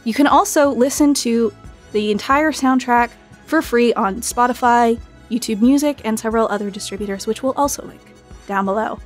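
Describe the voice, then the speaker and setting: Higher-pitched woman hosting over music. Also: moderate pace. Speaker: host, associate producer and voice actor. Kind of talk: scripted podcast intro and interviewing.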